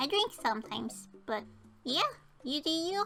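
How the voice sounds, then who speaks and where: A woman uses a raised, projected voice with a playful tone at a moderate pace. Noticeable background noise runs behind her. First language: Norwegian. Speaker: YouTuber. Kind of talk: Q&A reading viewer questions. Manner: casual, playful.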